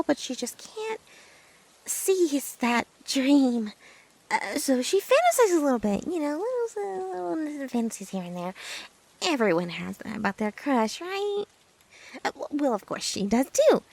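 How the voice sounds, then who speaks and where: A woman playing a nervous, lovesick and obsessive young female best friend in an ASMR roleplay, stammering haltingly as if confessing. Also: high-pitched, sing-song. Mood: flustered, dreamy.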